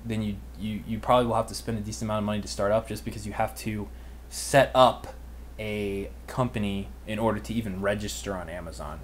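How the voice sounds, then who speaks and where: A man's voice: fairly low pitch, a little hiss or hum. A man in his twenties with an American accent, chatting casually and informally as he answers viewer questions as a livestream host. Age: 20s. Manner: informal, youthful slangy phrasing. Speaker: online business livestream host and mentor.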